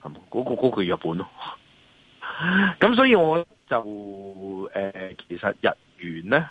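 A man's voice: lowish voice, big pitch swings, a little slow, fairly bright tone, slightly rough, no room sound. A man with a Hong Kong accent giving off-the-cuff market commentary as an interview guest, emphatic and often checking for agreement with rhetorical questions. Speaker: financial analyst and columnist, guest. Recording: dull lo-fi remote call line.

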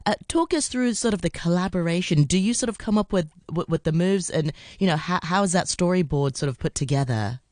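Woman radio host, low voice, dry studio. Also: a little fast, few pauses, a little mellow, dry recording. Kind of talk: radio interview. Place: Hong Kong radio studio.

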